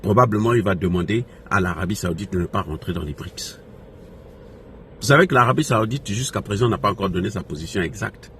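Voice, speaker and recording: The African man's fairly low voice has a fairly bright tone, lively intonation and a fairly quick delivery as he gives fervent, off-the-cuff political commentary. He emphatically repeats phrases and throws rhetorical questions at his followers; the recording is noisy with background ambience.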